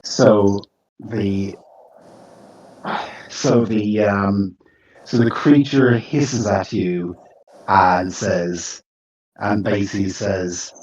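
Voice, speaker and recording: A man narrating a tabletop game as game master, speaking slowly with many pauses and restarts. His voice is fairly low and comes across a little distant on a dull, lo-fi recording. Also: steady tone, darkish tone. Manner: halting, with many fillers and restarts.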